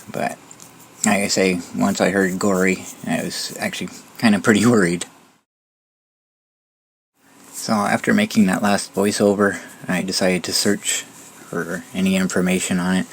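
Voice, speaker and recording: A man's voice: sits low, vocal fry, slight background noise, poor audio. A man hosting a video with casual, hesitant, conversational voiceover commentary. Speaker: video host.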